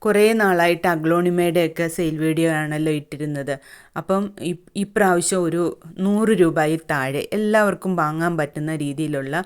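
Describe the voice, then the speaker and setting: A woman's voice: deep voice, clean tone. A woman, talking through her home plant sale in a plain, chatty way with many fillers and restarts. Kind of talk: casual plant sale vlog.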